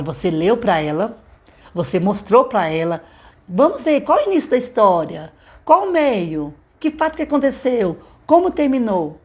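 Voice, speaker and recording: A woman, a literacy teacher giving a chatty live-streamed lesson to other teachers, often checking in with her listeners. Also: medium pitch. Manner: chatty, checks in with frequent tag questions.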